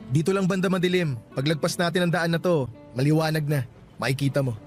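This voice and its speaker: Young male love interest played by an actor: casual, teasing, lightly high voice, radio drama with soft music. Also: fast talker, natural voice. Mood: reassuring. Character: teasing, easygoing young man courting a woman. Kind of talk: radio romance drama dialogue.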